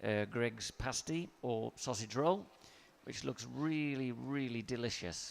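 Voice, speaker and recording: Words come at a very slow pace, and the pitch varies in an ordinary way. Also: man, medium pitch for a man. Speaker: comic sports commentator. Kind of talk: mock live sports commentary. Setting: shopping centre, public event.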